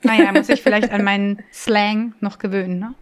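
A woman with a Berlin accent co-hosting a podcast, bantering in a quick, chatty way. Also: mid-range voice. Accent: Berlin German. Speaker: podcast co-host. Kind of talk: casual podcast chat. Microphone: remote call.

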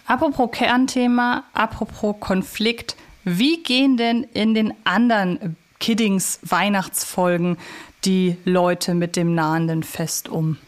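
Woman doing a podcast segue, really slow delivery, mid pitch.

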